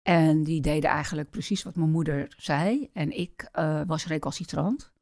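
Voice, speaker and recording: Low gravelly-voiced woman, hesitant. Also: darkish tone, dry recording, clean studio sound. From Netherlands. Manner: hesitant, many pauses and fillers. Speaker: interview guest. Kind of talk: personal life-story interview.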